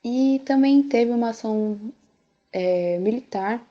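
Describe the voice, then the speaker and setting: A woman's voice: fairly high pitch, slow pace. A Brazilian woman explaining things as an interviewee, in a dull, lo-fi recording.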